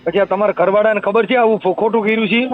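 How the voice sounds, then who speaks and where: A man's voice: high-pitched, fairly even intonation, fast talker. A man with a Kathiawadi Gujarati accent questioning someone informally by phone and repeating details back to confirm them. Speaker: host taking a caller's complaint. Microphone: telephone line. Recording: tinny narrowband phone call recording.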